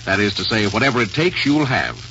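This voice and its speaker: This is a man in the classic old radio announcer mould of the 1940s. His delivery is polished and formal, with a bright, crisp edge. The sound is a muffled vintage broadcast with faint noise. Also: lowish voice, expressive, fairly quick. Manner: polished, formal wordy phrasing.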